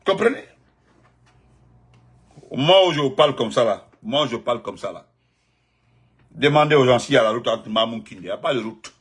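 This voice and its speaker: Husky, emphatic Guinean French man. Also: mid-range voice, expressive, normal speed, pauses often. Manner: emphatic, repetitive, swings between loud outbursts and muttered asides. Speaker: political commentator. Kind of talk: spontaneous political commentary.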